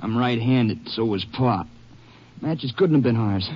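Man playing an earnest, mid-pitched young cattleman. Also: expressive, a little slow, lightly acted. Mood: subdued, earnest. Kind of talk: 1950s radio western acting. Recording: muffled, slightly noisy old radio broadcast.

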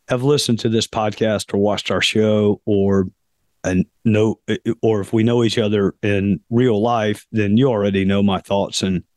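Losing his voice, a hoarse South Carolina man hosts a podcast, talking reflectively in a lowish, darkish voice. His delivery is deliberate, with frequent pauses and fillers, captured in a dry recording.

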